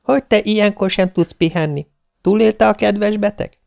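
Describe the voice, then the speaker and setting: Egy férfi által megszólaltatott csevegő fiatal doktornő. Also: male voice, high voice, gravelly, darkish tone, voice pushed up. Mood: teasing. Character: young woman doctor, friendly and chatty.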